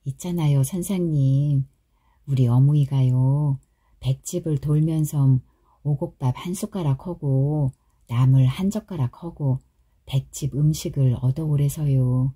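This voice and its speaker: A woman voicing a cheerful, chatty young village wife who speaks in a folksy, drawn-out Chungcheong dialect. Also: extremely low pitch, mellow, husky, exaggerated voice. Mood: coaxing chatter. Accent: Chungcheong Korean dialect.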